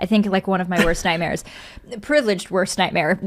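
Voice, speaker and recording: A woman speaks in an animated tone. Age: 30s. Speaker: voice actor and singer. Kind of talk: casual chat.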